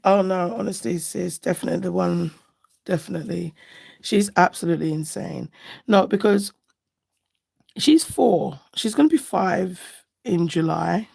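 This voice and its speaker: A slightly hoarse woman chatting casually and affectionately on a live nail art stream, often thinking aloud as she works. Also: lowish voice, moderate pace, a little mellow. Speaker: nail art livestream host. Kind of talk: casual live chat while doing nails.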